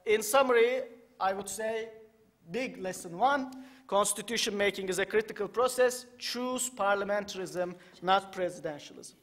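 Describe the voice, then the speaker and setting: High-voiced man lecturing with many fillers. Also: a bit bright. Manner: measured, halting, many fillers. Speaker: academic lecturer. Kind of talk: conference lecture. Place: conference hall.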